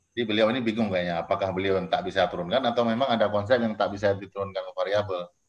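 A man speaks with ordinary pitch variation. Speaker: moderator, university lecturer. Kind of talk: moderating a webinar. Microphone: video call.

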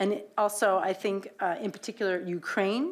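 Ordinary pitch variation colors a woman's voice with an American accent. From US Midwest. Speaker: professor of foreign policy. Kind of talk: expert testimony at parliamentary hearing. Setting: parliamentary committee room. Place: meeting room. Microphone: podium.

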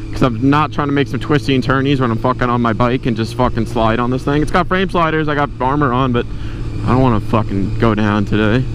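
Someone talks very fast with ordinary pitch variation, in a dry sound with no echo and noticeable background noise. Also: man. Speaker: motorcycle rider vlogger. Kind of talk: casual vlog chat. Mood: excited, awed. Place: motorbike. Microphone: helmet.

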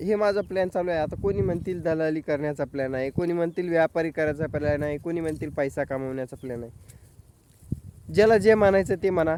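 A man speaks at a fairly high pitch for a man, with ordinary pitch variation. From Maharashtra, Vaijapur (Chhatrapati Sambhajinagar). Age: young. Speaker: goat farmer and vlogger. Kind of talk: vlog to camera. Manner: animated.

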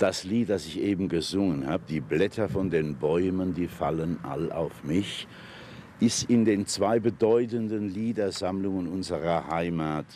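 A man speaks at a fairly slow pace with a very deep, low pitch, a dark, mellow tone and ordinary pitch variation. The sound is dry with no echo, over light background noise. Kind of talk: interview answer. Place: garden.

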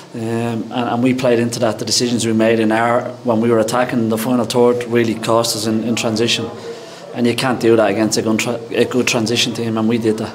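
A man's monotone, flat voice at a fairly quick pace over light background noise. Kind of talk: interview answer. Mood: subdued after a defeat. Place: hall. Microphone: handheld.

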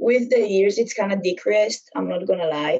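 Against a quiet background, this voice carries an Israeli accent and ordinary pitch variation. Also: woman. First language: Hebrew. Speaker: college basketball player. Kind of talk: casual interview. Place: home room. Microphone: video call.

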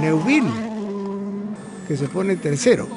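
Noticeable background noise sits behind a man speaking in a high pitch. His intonation is lively. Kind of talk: sports commentary over race footage. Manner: exclamatory, colloquial, calls out times and names.

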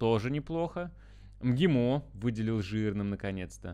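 This man's voice sits fairly low and has lively intonation. The background is quiet. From Russia. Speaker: YouTuber, management consultant; education YouTuber. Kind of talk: tutorial. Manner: casual, with filler sounds. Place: home room. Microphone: studio mic.

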